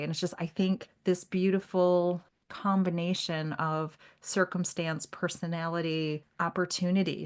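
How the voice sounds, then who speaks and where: A woman co-hosting a podcast, talking through literature in a casual, reflective and appreciative way. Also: low-pitched. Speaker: podcast co-host.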